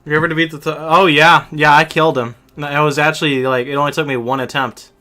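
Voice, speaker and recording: A woman's voice: low voice, level tone, fast, bright, forceful tone. A woman chatting casually on a game livestream in a joking, slangy, sweary way. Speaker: game streamer. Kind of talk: casual livestream chat over gameplay. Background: game music.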